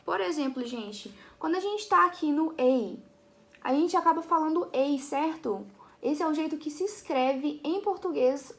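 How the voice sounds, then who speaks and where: A woman's voice: high-pitched, moderate pace. A young woman teaching an English lesson to her students, chatty, often checking in with her class and restarting her sentences.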